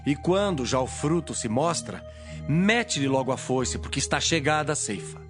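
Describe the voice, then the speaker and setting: A man's voice: medium pitch, expressive, moderate pace, natural voice. Male actor as authoritative holy teacher, solemn, widely varied intonation, audio Bible drama, prominent music. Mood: solemn teaching.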